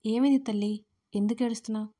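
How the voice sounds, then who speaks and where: A woman's voice: a little high, steady tone, quick pace, mellow, slightly rough. A woman voicing an elderly grandmother who comforts her granddaughter in an audio story. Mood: worried, soothing. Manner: worried, comforting. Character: elderly grandmother, anxious and soothing.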